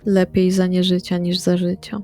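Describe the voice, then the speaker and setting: A woman playing an earnest, subdued female vampire in a role-playing audio drama, speaking in a quiet, measured way. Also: lowish voice, monotone, faint music behind, close to an everyday voice. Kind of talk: in-character role-play dialogue.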